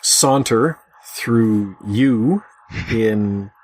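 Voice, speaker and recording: A man's voice: lowish voice, extremely slow, a little mellow, breathy edge. A man hosting a podcast in a casual, chatty style. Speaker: podcast host. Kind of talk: casual chat. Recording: slightly noisy online voice chat.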